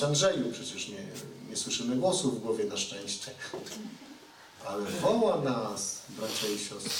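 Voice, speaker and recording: A man's voice: mid-range voice, slight background noise. A man giving a chatty sermon who keeps asking the congregation questions. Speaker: preacher. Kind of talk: conversational sermon. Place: church hall. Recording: roomy hall, mic at a distance.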